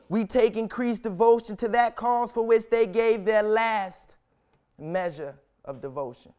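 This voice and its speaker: A young man reciting a historic speech as solemn, dramatic oratory, with deliberate, emphatic phrasing and long pauses. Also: high voice, clear, resonant tone. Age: young adult.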